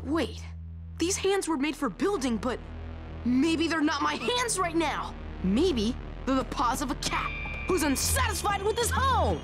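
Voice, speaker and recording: A woman's voice: high-pitched, big pitch swings, measured pace, over music. A woman playing an imaginative young boy who talks in an earnest, dramatic way in a cartoon. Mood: reflective. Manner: earnest, dramatic play-acting. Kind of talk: cartoon voice acting.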